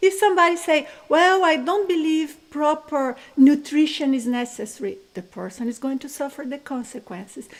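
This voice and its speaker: A woman's high-pitched voice with big swings in loudness and hardly any pauses. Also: lively intonation, moderate pace. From Italy. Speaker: energy work and meditation teacher. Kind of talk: live online workshop talk. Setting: online live session. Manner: mumbling.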